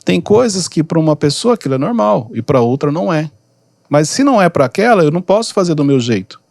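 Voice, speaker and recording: Calm Brazilian-style mentor man, dry. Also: a little high, creaky, no room sound. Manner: calm, unhurried, gives examples. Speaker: podcast host and mentor. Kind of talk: casual advice talk.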